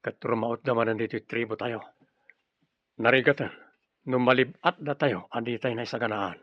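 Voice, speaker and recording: An actor playing a brave, vigilant young tribal warrior, the chief's son, in an Ilocano-accented radio drama. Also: male voice, mid-range voice, moderate pace, no echo, highs cut off, lightly acted. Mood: watchful. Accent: Filipino, Ilocano.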